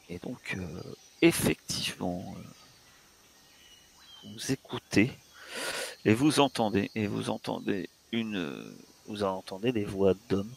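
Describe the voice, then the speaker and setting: Slow, gravelly game master. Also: male voice, fairly low pitch. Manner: hesitant, many fillers. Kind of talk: narrating a tabletop role-playing game.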